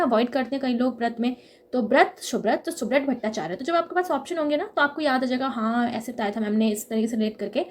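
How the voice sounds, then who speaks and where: A young woman teaching an exam-prep lesson. She walks through memory tricks step by step, often checks in with "okay", and slows down on key words to stress them. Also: high-pitched.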